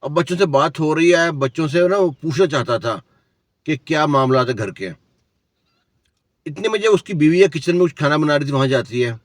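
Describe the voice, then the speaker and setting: A man's voice: a little high, animated, no room sound, clean studio sound. A man telling a cautionary story in a preachy, lecturing way, asking the listener rhetorical questions. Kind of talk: moralizing storytelling.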